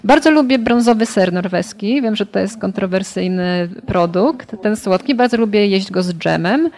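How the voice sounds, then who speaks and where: A woman, a literary translator, giving her views in a relaxed podcast discussion. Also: mid-range voice, normal speed.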